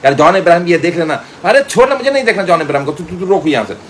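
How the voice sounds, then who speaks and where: A man's voice: high-pitched, very animated, rapid-fire, a bit bright, slight background noise, voice pushed up. An Indian man voicing an irritated, exasperated young woman nagging from the back of a bike in an acted story. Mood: exasperated, scolding.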